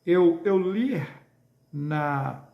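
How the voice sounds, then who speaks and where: A man's voice: fairly high pitch, animated, extremely slow, reverberant, narrow, tinny audio. A man with a Brazilian accent preaching an insistent religious monologue to viewers, full of rhetorical questions.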